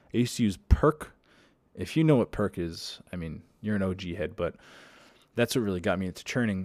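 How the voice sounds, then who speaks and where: On a very clean recording with a silent background, a man with a fairly low voice talks at a moderate pace. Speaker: podcast host. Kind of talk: solo podcast monologue. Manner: casual, chatty.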